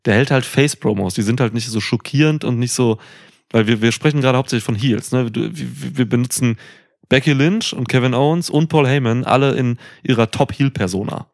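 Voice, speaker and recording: A man's voice: mid-range voice, fairly quick, vocal fry, no room sound, studio quality. A man co-hosting a podcast, chatting casually and throwing in teasing jokes. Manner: joking, teasing interjections. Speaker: podcast co-host. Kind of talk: casual chat about wrestling.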